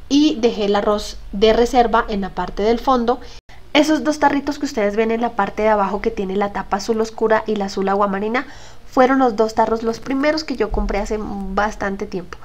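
A woman's voice: mid-range voice, a little mellow. A young woman, talking viewers through her kitchen organizing in a casual, chatty voice-over full of asides and fillers. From Colombia. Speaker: home vlogger.

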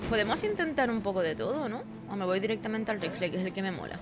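A woman's voice: medium pitch, expressive, quick pace. A woman giving casual gameplay commentary. She sounds tired and sleepy, chats freely, swears often and cries out dramatically for help during fights. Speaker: gameplay streamer. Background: game music.

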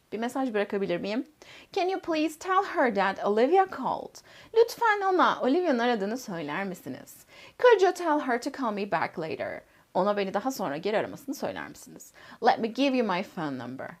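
A woman teaching an English grammar lesson for middle school, reading English phone phrases slowly and then translating them. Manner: lively teacherly delivery with rising and falling pitch.

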